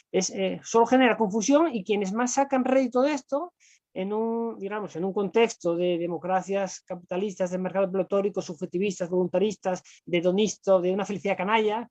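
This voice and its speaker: Man, philosophy guest, brisk and chatty, lots of fillers, dry muffled recording. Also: high-pitched, a little mellow, no echo. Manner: rapid, with frequent fillers and rhetorical tags. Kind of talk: conversational explanation. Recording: dull, lo-fi dry sound.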